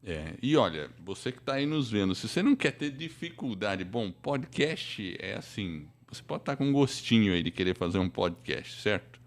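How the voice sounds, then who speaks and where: A man's voice: fairly low pitch, sing-song, normal speed, hardly any pauses. A man with a Brazilian accent hosting a conversational live show and talking directly to the audience. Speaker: podcast host and teacher.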